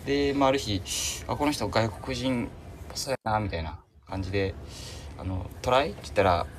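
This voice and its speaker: A man's voice: on the low side, a little fast, a little hiss or hum. A man chatting casually as a radio guest, hesitant and rambling, over a remote connection. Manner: hesitant, rambling, self-conscious. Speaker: radio show guest, shop staff member. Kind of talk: casual chat and anecdote telling.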